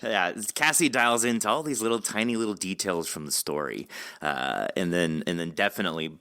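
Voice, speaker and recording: A man's voice: low-pitched, animated, a little fast, bright, forceful tone, clear, resonant tone, no echo, clean studio sound. A man hosting a podcast in a casual conversational way, appreciative and encouraging toward his guest. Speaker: podcast host. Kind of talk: casual interview chat.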